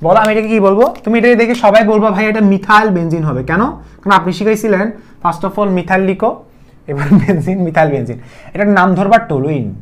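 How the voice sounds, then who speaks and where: A man's voice: sits high, brisk. A man with a Bangladeshi Bengali accent giving a chemistry video lecture, repeating key terms and quizzing the viewer with questions. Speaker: chemistry teacher.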